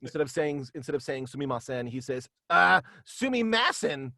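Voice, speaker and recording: A man's voice: fairly high pitch, sing-song, moderate pace, creaky, pushed and bright, no echo. Enthusiastic, hesitant man in casual chat, dry sound. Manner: hesitant, enthusiastic, chuckles often. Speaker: guest, writer of a superhero radio play. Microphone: home video call.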